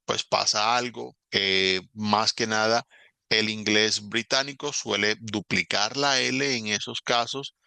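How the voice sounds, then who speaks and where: Patient man teaching online, low voice with a keen edge, explains step by step. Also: fairly even intonation, slow pace, gravelly, bright, forceful tone, clean tone, dry recording. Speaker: English teacher. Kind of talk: recorded online lesson.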